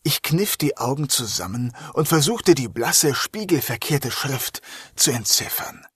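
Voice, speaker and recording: Guy acting awkward dry police inspector, crime audio drama, animated melody, bit hesitant. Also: medium pitch, a little slow, husky, no echo, full character voice. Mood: dry narration. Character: male detective inspector, dry, awkward, narrating his case. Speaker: lead actor and narrator.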